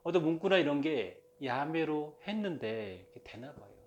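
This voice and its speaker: A man's voice: fairly high pitch, sing-song, moderate pace, lo-fi sound. A man hosting his own channel, giving a casual, rambling lecture on folk religion with lots of fillers and joking asides. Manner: rambling and chatty, with many fillers and self-aware jokes; playfully mimics regional dialects. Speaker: channel host talking about folk religion.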